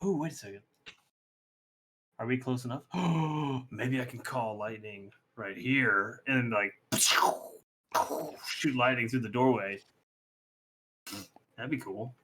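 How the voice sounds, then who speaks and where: A man's voice: mid-range voice, slow pace, long pauses, a bit bright, a little hiss or hum. Casual player man, thinking aloud. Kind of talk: casual tabletop game chat.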